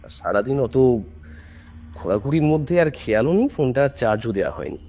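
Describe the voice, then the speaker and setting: A man tells a story in a loose, chatty, suspenseful way, like a ghost story podcast host, with music playing underneath. His mid-range voice is very animated and brisk, a little mellow and slightly rough.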